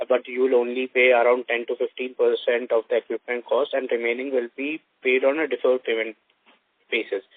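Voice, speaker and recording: Halting man on a tinny phone line. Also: medium pitch, no room sound. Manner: halting, repeats and rephrases himself. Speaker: investment analyst asking questions on an earnings call. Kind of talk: halting question-and-answer on a conference call. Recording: dry, band-limited phone line.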